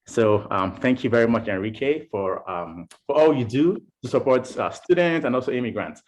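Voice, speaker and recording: A man hosting an interview, enthusiastic and halting, often restarting his sentences. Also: mid-range voice, lively intonation. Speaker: interview host. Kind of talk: podcast interview.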